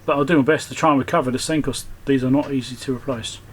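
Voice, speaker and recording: Muttering and thinking out loud, an electronics repairer gives casual, hands-on commentary in his own repair video. He talks fast at medium pitch with fairly even intonation, and background noise is clearly heard behind his voice.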